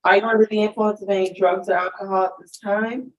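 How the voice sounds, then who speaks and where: A woman judge conducts a plea hearing, putting set questions to a defendant in a brisk, formal manner. Her voice sits at a middle pitch and comes from some distance. Faint noise sits under it. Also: fairly even intonation, echoey room.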